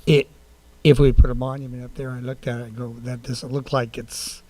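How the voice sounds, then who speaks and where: A man speaking as a council member in a public meeting, plain-spoken and rambling, with halting phrasing. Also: mid-range voice, little pitch movement, a little mellow, low-quality recording.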